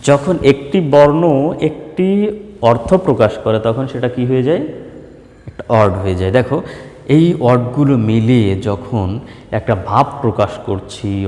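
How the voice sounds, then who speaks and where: A Bangladeshi man teaching a primary school lesson, asking questions and answering them himself, sometimes drawing out examples slowly. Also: mid-range voice, darkish tone, long reverb tail. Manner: slow, drawn-out dictation of examples. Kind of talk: online class lesson.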